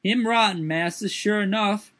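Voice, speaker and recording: A man's voice: high-pitched, normal speed, a bit bright, voice pushed up. A man voicing a fretful old manservant, speaking in a thick old-fashioned dialect in a strained, raised voice. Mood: fearful. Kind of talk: audiobook character voice.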